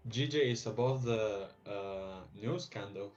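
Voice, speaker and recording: A man's voice: lowish voice, slow pace, darkish tone. A man making short reactive remarks beside a live trading stream host. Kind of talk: brief comments on a live stream. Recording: off-mic, muffled, faint music.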